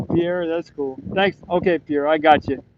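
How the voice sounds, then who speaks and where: A man's fairly high-pitched voice at a moderate pace, over noticeable background noise. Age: 40s. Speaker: livestreamer. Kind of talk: casual live commentary. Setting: outdoors. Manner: halting.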